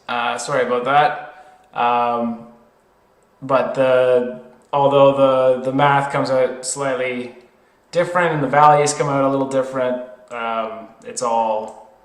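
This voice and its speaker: A male tutor talks through a worked problem at a slow pace, in an informal way. He is hesitant and thinks aloud, correcting himself as he goes. The sound is roomy, with clear echo around his voice. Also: medium pitch.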